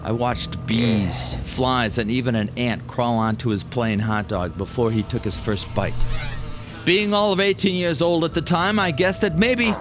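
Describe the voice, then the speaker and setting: A man telling a scripted first-person story as narrator, with deliberate, dramatic phrasing. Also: mid-range voice, expressive, background noise.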